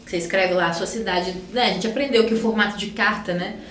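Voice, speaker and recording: A woman's voice: medium pitch, steady tone, fast, a bit bright. A Brazilian woman teaches a recorded class in a chatty way, tagging her sentences with "né?" and using cute little words. Her voice rings in an echoey room with a faint hum behind it. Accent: Brazilian Portuguese. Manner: chatty, keeps adding "né?" and using cute diminutives.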